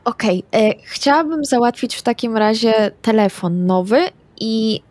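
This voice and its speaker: A woman's voice: a little high, unhurried, a little mellow, dry recording. A woman playing a tabletop role-playing game, casually narrating what her character does.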